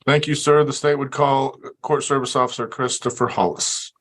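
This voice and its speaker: Very flat-toned male prosecutor, courtroom recording. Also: mid-range voice. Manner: formal, deliberate legal phrasing. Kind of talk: formal courtroom examination and argument, courtroom recording.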